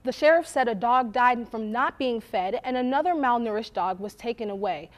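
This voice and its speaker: A woman's voice: on the high side, expressive, normal speed. A woman reading scripted local news as an anchor at a studio desk.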